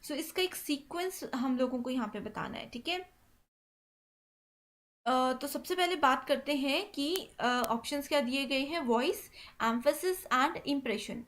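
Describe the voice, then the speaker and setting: High-voiced woman teaching exam prep. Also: expressive, measured pace, a bit bright. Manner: mixes English terms, frequent "theek hai" check-ins. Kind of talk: explaining exam questions.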